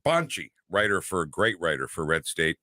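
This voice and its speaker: A man's voice: deep voice, very animated, normal speed, sharp tone, no echo. A man co-hosting a morning talk radio show, joining in the banter with a showy, emphatic delivery. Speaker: radio co-host. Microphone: studio microphone.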